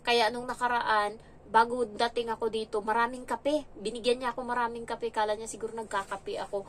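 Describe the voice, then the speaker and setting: A woman's voice: a little high, slight background noise. A young adult woman from the Philippines who works as a domestic helper, telling a frank, chatty story in a casual vlog. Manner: chatty, frank, animated when retelling.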